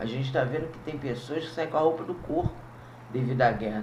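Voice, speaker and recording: A man's voice amid noticeable background noise and audible room echo. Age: 60s. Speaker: spiritist study leader. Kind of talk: religious study commentary. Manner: halting.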